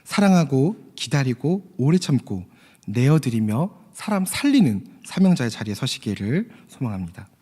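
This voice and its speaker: Male preacher, earnest sermon delivery, warm husky voice with lively pitch, long church-hall reverb. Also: normal speed. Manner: earnest, tells a story with quoted voices, addresses listeners.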